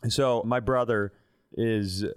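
A man's voice: lowish voice, steady tone, slow, clean tone, dry recording, studio quality. A man co-hosting a podcast, telling casual comedic stories, swearing freely and acting out dialogue in exaggerated voices. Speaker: podcast co-host.

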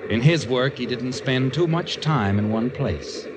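An actor playing a knowing storyteller, narrating a 1940s radio crime drama in a measured, dramatic manner. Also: male voice, medium pitch, lively intonation, background noise, natural voice. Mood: knowing, suspenseful.

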